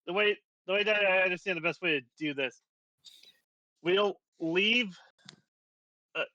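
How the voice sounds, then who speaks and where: Man, choppy breaking-up call audio, slightly high voice, distant and muffled, halting. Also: pushed and bright, no room sound. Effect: choppy, breaking-up online call audio. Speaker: tabletop game player. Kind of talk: playing a tabletop game over a voice call. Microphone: online voice call. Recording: dull, distant voice over a weak internet call.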